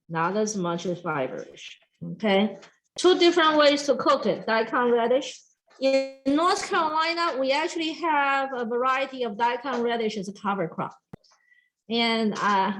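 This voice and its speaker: A middle-aged Taiwanese woman working as an extension educator gives a lively, emphatic cooking demonstration at a farm workshop, chatting straight to the audience in a Taiwanese accent and often asking "okay?". Her voice is a little high, and the recording quality is low.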